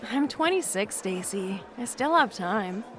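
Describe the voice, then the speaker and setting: A woman's voice: medium pitch, animated, a little slow, crowd noise, natural voice. An actress playing an overworked, contented homebody in her twenties, speaking in a hesitant, understated way in a naturalistic audio drama. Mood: mildly defensive. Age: 20s. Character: twenty-six-year-old overworked woman, homebody, contented and cautious.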